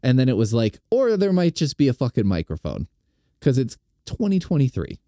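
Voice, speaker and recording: Male podcast host, sarcastic and profane, lively pitch, dark tone, dry sound. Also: a little fast, dry recording. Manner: profane, rambling, mocking. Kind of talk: sarcastic commentary.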